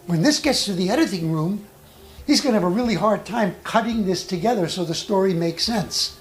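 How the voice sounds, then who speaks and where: An acting coach giving an instructional talk with personal anecdotes, speaking in a measured, deliberate way with thoughtful pauses. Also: medium pitch, lively intonation.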